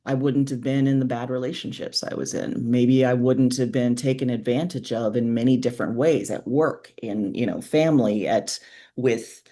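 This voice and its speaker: A woman's voice: extremely low pitch, fairly even intonation, moderate pace, warm tone. A woman in her forties speaking reflectively and frankly as a guest author in a conversational interview. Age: 40s.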